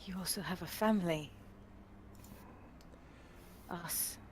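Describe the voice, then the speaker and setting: A woman's voice: fairly low pitch, takes it slowly, background noise. A woman speaking as a player in a tabletop game, role-playing casually in character.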